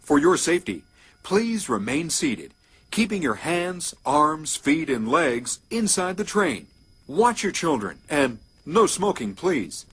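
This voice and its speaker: A man's voice: on the high side, big pitch swings, slow, a bit bright, breathy edge. A man delivering a scripted, formal transit-style announcement and tour narration for passengers. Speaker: theme park monorail announcer.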